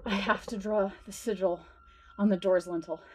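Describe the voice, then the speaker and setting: A woman's voice: mid-range voice, steady tone, moderate pace, darkish tone, husky, natural voice. A woman playing an exhausted but determined spellcaster, strained and commanding, in a horror audio drama. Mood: weary, commanding.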